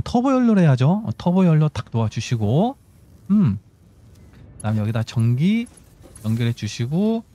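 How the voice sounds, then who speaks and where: Here a gaming YouTuber speaks in a warm, somewhat high voice, with a slight hiss or hum on the recording. Over soft game music he chats casually about his gameplay, walking himself through the building steps like a lesson.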